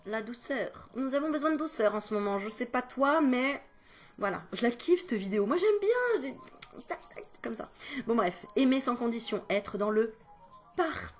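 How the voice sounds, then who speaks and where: A woman's voice: fairly high pitch, lively intonation, moderate pace, faint music behind. A woman energy healer chatting through spiritual advice at home, digressing often and adding joking asides. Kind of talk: casual spiritual advice vlog.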